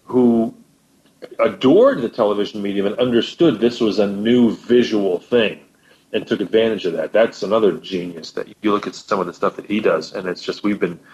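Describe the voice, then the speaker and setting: A man's voice: fairly low pitch, normal speed, darkish tone, muffled recording. A man speaking as a guest co-host in a casual chat. He explains at length and often stammers and repeats words.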